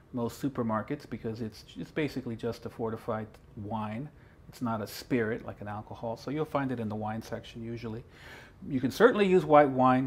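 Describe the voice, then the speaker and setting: A man talks at a fairly quick pace, his loudness swinging widely while his pitch varies in an ordinary way. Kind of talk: cooking tutorial. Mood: relaxed, friendly. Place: kitchen. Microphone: lapel.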